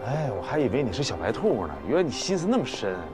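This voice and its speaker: An actor playing a gossipy young man who talks in quick, teasing exclamations. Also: mid-range voice, big pitch swings, music in the background, natural voice. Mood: indignant. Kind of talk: TV drama acting. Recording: TV drama with loud score.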